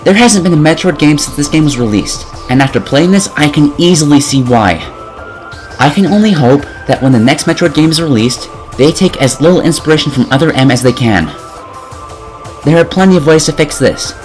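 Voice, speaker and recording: A twenty-year-old man narrating a scripted video game review in a sarcastic, opinionated way. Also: a little high. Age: 20 years old.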